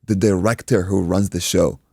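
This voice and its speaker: Low, gravelly male storyteller, close and dry. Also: steady tone, normal speed, darkish tone, dry recording. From Iraq. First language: Arabic. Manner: acts out dialogue, swears, says "dude". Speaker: podcast guest, martial arts coach and stunt performer. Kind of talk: animated anecdote in casual chat.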